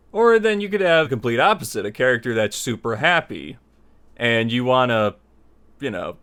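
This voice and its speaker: A man's voice: medium pitch, fairly bright tone. Man giving a rambling, informal lesson. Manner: conversational and rambling, repeats himself for emphasis. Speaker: tutorial series host. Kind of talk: informal spoken lesson, opinionated explanation.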